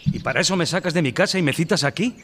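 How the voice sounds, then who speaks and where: Exasperated friend, fairly high voice. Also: male voice, animated, rapid-fire, fairly bright tone, a little hiss or hum. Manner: conversational, questioning, reproachful. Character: exasperated, teasing male friend of a radio scriptwriter. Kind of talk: naturalistic audio drama dialogue.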